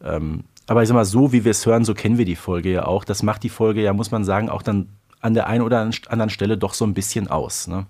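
A man hosting a podcast in casual chat, pausing often with filler sounds. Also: fairly low pitch, darkish tone. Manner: hesitant, many filler sounds. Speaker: podcast host. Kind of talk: casual podcast chat about a radio play.

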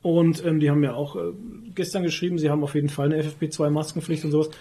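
A man's voice: on the high side, little pitch movement, very fast, mellow. A man chatting casually and jokingly as a podcast co-host, using coarse slang.

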